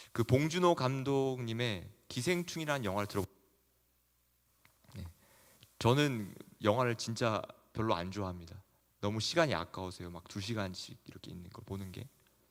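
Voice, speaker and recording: In a very clean recording with a silent background, a man speaks at medium pitch with lively intonation and a moderate pace. He leaves long, frequent pauses, and his loudness swings a lot. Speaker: pastor. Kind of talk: sermon.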